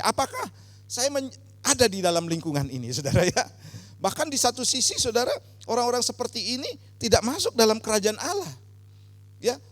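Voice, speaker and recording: A male pastor preaches a sermon in a church sanctuary, his very high-pitched, slightly bright voice swelling emphatically on key words. He often addresses the congregation rhetorically, and the recording carries church hall reverb.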